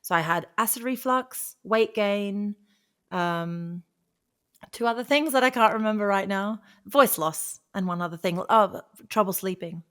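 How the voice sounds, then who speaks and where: A woman speaking as an interview guest, telling personal stories in a casual, conversational and animated way. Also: medium pitch, measured pace. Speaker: guest, singer and vocal coach.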